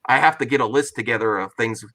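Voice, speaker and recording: A man's voice: medium pitch, quick pace, pushed and bright. A man on a casual podcast, friendly and easygoing, often trailing off mid-thought. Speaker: podcast co-host. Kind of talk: casual chat.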